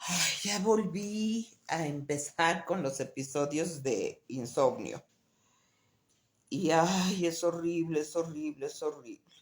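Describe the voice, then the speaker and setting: Very slow speech from a woman, fairly low in pitch, with ordinary pitch variation. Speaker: storytelling vlogger. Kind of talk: casual chat.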